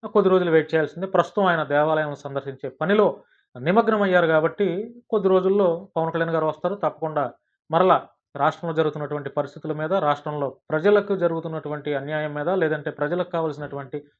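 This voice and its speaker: A man's voice: a little high, fairly even intonation, quick pace. A man with a Telugu accent presenting political news commentary, addressing viewers formally and with emphasis. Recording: dull, lo-fi sound.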